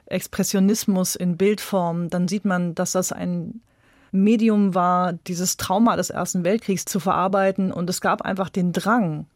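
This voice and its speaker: A woman's voice: fairly low pitch, steady tone, a little slow, a little mellow, dry recording, studio quality. A woman speaking as an expert guest, explaining thoughtfully and with emphasis. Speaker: interview guest, radio drama expert. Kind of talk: thoughtful conversation. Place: dry studio.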